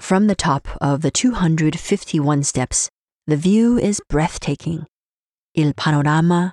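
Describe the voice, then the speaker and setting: In a dry, close sound with no echo, a woman speaks at a very slow pace with a fairly low pitch, ordinary pitch variation, and a dark, mellow tone. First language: not Italian (speaking Italian). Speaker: podcast host and Italian learner. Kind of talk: scripted narration.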